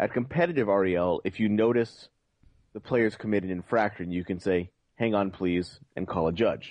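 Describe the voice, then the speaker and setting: At a moderate pace, a man's fairly low voice, an ordinary speaking voice, moves with ordinary pitch variation. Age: 20s. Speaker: Magic tournament judge. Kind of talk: casual interview. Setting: online voice call.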